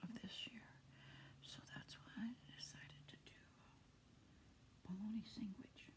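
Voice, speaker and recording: Someone whispers at a very slow pace, with big swings in loudness. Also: woman. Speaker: vlogger. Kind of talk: casual vlog chat, mukbang-style storytelling. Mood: relaxed nostalgic. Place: home room. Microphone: phone near.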